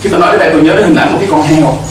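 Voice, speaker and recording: A man's voice: fairly high pitch, very fast, very echoey, recorded from a distance, slight background noise, rough recording. A middle-aged man preaching a sermon from a church pulpit into a handheld mic, emphatic, with call-and-response to the congregation. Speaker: pastor. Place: church stage with pulpit and cross.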